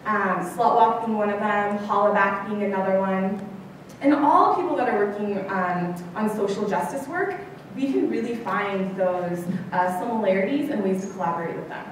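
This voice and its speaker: A woman's voice: mid-range voice, normal speed, slight background noise. A young woman giving an earnest, conversational conference speech to a large hall. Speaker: conference keynote speaker. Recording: echoey hall from far off.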